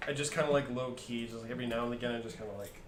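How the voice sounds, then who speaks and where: A young man playing a tabletop game, rambling and joking with halting restarts. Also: medium pitch, fairly even intonation. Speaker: player. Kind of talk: tabletop game play chat. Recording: echoey room, far from mic, loud noise.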